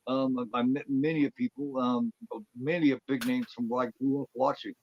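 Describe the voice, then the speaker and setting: Male interview guest, quick rambling storyteller, animated, stumbles over words. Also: medium pitch, lo-fi sound. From Indiana, US. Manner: rambling, animated, repeats words when excited. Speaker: interview guest, former wrestler. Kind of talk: casual storytelling.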